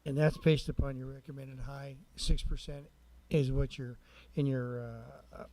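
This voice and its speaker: A man with a mellow, relaxed voice at a medium pitch speaks as a council member in a public meeting. He questions in a halting way, often starting a sentence again in new words. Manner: halting, rephrases mid-sentence.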